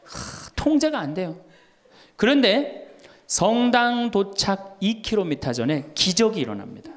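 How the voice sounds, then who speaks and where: A middle-aged Catholic priest gives a humorous lecture in a high, sing-song voice at a measured pace. He tells stories to the audience, acting out the quoted voices and laughing along.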